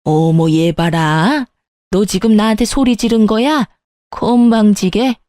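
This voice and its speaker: A woman voicing a bossy, scolding middle-aged mother-in-law who gives curt, slow commands. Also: medium pitch, darkish tone, dry recording, studio quality, close to an everyday voice.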